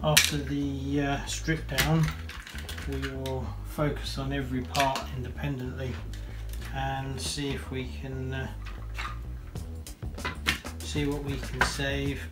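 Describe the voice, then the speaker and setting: Over clear background music, a man talks at a very slow pace with long, frequent pauses. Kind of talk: tutorial. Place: workshop.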